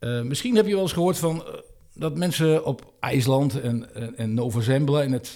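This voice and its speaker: A man talks at a fairly high pitch. His pace is moderate and his intonation lively. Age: 60s. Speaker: lighting specialist. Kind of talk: interview. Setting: at a table in person. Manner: halting, many repetitions.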